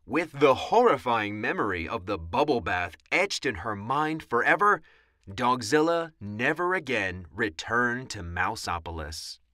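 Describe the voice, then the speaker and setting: A man's voice: mid-range voice, sharp tone, dry recording, studio quality. A man narrating a children's audiobook in a dramatic, theatrical and suspenseful storytelling style.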